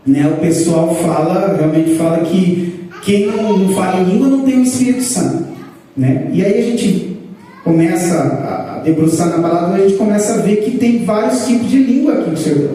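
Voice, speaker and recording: A Brazilian man with a high, dark and mellow voice teaches scripture to his church, explaining each point and lifting his pitch to stress it. He sounds echoey and distant, as if caught by a microphone across a large hall. Soft music hums faintly underneath. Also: animated, moderate pace. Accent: Brazilian Portuguese. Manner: explanatory, rises in pitch to stress points, addresses congregation as brothers. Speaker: pastor teaching a church class. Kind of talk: teaching sermon.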